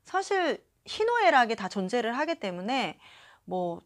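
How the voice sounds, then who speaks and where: A young woman talks casually to her phone camera, commenting on a self-help book. Her voice sits fairly high and swings widely in pitch, and she slips into small acted-out quotes and steady filler affirmations as she goes. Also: unhurried. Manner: chatty, acts out quoted lines, frequent filler "네".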